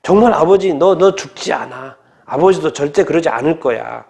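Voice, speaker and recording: A man's voice: fairly high pitch, expressive, normal speed, creaky, darkish tone. A male preacher voicing a loyal young prince who earnestly reassures his friend. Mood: reassuring.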